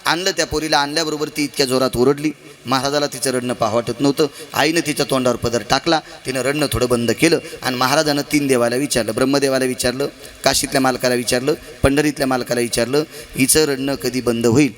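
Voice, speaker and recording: A man preaching a devotional kirtan sermon, telling stories dramatically with sudden swings in pitch and loudness, asking the audience rhetorical questions and stretching some phrases into a half-sung chant. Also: fairly even intonation, fast talker.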